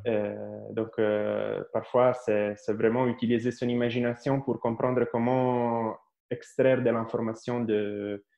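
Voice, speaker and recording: A man in his thirties with an Italian accent, an astrophysicist answering interview questions with many pauses, fillers and restarts. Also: medium pitch, flat delivery, creaky, dark tone. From Italy. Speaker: astrophysicist guest. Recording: echoey, dull lo-fi live stream.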